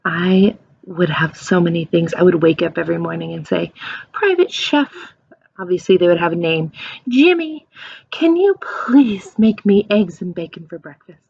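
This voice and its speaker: A woman doing a children's read-aloud as a teacher, explaining things in simple questions and animated, encouraging asides. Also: fairly low pitch, moderate pace, vocal fry, breathy edge, dry recording, muffled recording.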